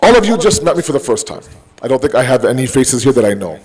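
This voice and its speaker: A man's voice: mid-range voice, sing-song, fast, darkish tone, slightly rough. A man giving a sermon as a Muslim preacher, conversational and emphatic, with rhetorical questions, mixing English with Urdu and Arabic phrases. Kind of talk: sermon with everyday examples and acted-out dialogue.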